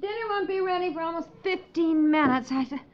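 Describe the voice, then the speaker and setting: A woman's voice: extremely high pitch, brisk. A woman playing a sensible, caring housewife and mother in a 1950s radio comedy, with natural, matter-of-fact conversational delivery. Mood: concerned, practical. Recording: dull 1950s radio recording.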